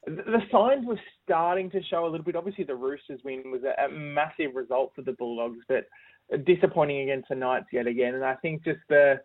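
A man, a sports journalist guest, giving measured, thoughtful analysis over the phone on a radio show. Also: on the high side, dry recording. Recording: tinny phone line.

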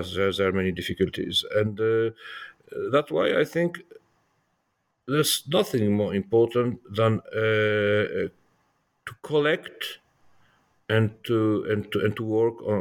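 A middle-aged man with a low, gravelly voice gives considered interview answers. He is not a native English speaker, and he feels his way haltingly through sentences, repeating small words. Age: 50s. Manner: halting, searching for words with frequent repetitions. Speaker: historian and author interviewed.

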